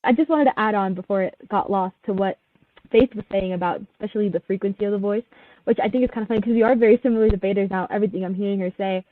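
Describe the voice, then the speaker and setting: A woman's voice: medium pitch, very fast, no room sound. A young woman on a panel discussion, speaking reflectively with many fillers. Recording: tinny phone-like call audio.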